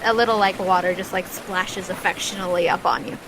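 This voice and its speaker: A woman's voice: lowish voice, steady tone, brisk, background noise. A woman game master improvising casual, conversational narration for a tabletop game, often saying "like". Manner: conversational, peppered with "like".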